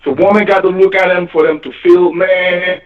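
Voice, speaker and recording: A man's voice: sits high, level tone, moderate pace. A male caller from Colorado, lecturing on his views and repeating his points. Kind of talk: call-in opinion. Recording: distant echoey muffled phone call.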